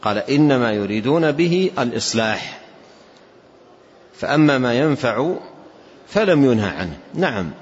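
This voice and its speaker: A man giving a religious lesson as a scholar commenting on a classical text, speaking deliberately and repeating key phrases for emphasis. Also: mid-range voice, very animated. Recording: dull lo-fi recording.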